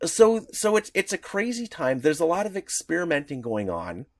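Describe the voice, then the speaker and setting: A man's voice: a little high, huge pitch swings, normal speed, no room sound, clean studio sound. A man co-hosting a podcast, explaining comics history in a rambling, enthusiastic way with many restarts. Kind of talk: casual podcast chat.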